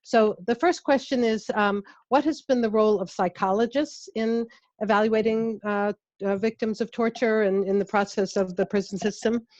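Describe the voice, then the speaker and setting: A woman's voice: medium pitch, steady tone, normal speed, a little mellow, no room sound. Middle-aged woman host, friendly, reads questions, dry and slightly dull headset sound. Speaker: webinar moderator. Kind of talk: hosting a Q&A. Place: home office, indoors. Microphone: headset mic on video call.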